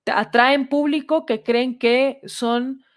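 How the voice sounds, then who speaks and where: A woman's voice: high voice, takes it slowly. A woman with a Latin American Spanish accent explains things in casual conversation, thinking aloud and often checking that the listener follows. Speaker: podcast creator guest.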